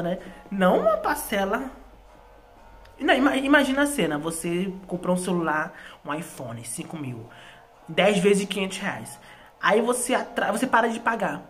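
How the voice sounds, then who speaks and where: A woman with a São Paulo accent, talking casually to her phone camera at home, rambling with many fillers and restarts. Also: medium pitch. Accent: São Paulo Portuguese. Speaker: vlogger. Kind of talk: casual chatty vlog. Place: at home indoors.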